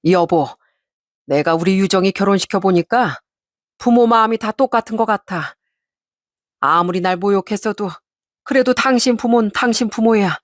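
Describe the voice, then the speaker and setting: A woman voicing a kind, middle-aged father who gently coaxes his family in an audio story. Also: medium pitch, normal speed, no echo, studio quality, lightly acted. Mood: persuasive. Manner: gentle, coaxing.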